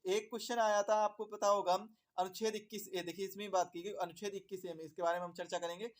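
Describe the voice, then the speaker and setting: A man's voice: sits high, flat delivery, fast. A man teaching an exam prep lesson. He repeats his points, asks questions and answers them himself, and calls viewers "my dear brother".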